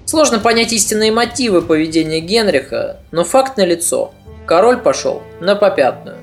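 A podcast narrator reading a scripted history story in a steady, even manner. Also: medium pitch, normal speed, soft background music.

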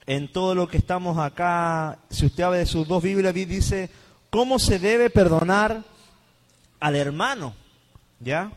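A pastor preaching fervently to his congregation and livestream, reading scripture and praying, his voice swinging between highs and lows. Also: long reverb tail. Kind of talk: livestreamed sermon with Bible reading and prayer.

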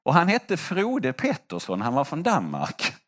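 Man, preacher giving a testimony sermon; animated storyteller, very lively pitch. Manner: animated storytelling, acting out quoted voices. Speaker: preacher and mission leader.

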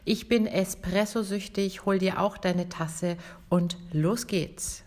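Lively voice coach hosting a podcast. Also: female voice, mid-range voice, slow, faint music behind. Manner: lively, addresses listener directly, demonstrates voice examples. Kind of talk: friendly podcast coaching talk.

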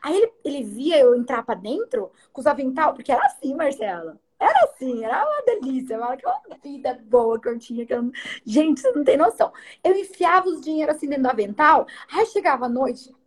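A middle-aged woman runs a salon and is a guest in a relaxed interview. Her voice sits high. She tells her stories with lots of life and slips into the voices of the people in them. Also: a little fast. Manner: animated storyteller who acts out others' lines. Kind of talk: casual storytelling chat.

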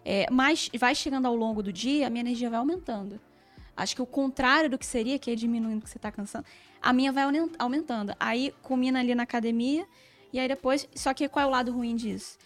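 A woman in a casual chat, talking in an animated, self-deprecating way. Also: a little high, fast talker, soft background music.

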